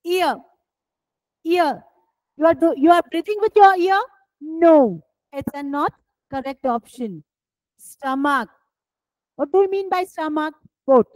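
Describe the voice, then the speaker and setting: A woman teacher with a Marathi accent explaining English words to children, slowly and deliberately, often repeating her questions to the class. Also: high voice, animated, darkish tone, dry recording, rough recording. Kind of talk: scholarship exam English lesson for children.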